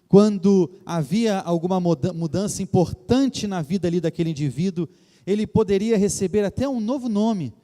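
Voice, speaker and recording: A male pastor with a Rio de Janeiro accent preaches to his congregation in a reverent, earnest way, pausing for emphasis. His voice is somewhat high, but the tone is warm and mellow. A long church reverb trails each phrase. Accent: Brazilian Portuguese, Rio de Janeiro. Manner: addresses the congregation as "queridos" often. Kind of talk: sermon. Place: church sanctuary.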